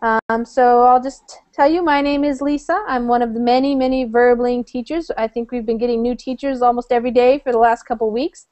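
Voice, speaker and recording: A woman's voice: a little high, steady tone, fairly quick, few pauses, darkish tone, highs cut off. A woman from the United States teaching an online English class over a video call, friendly and chatty with many fillers.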